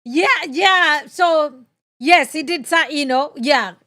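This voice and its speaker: A woman's voice: sits high, takes it slowly, sharp tone. A woman hosting a podcast, reacting in casual chat, hesitant and full of fillers. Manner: chatty, hesitant, many fillers. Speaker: podcast host.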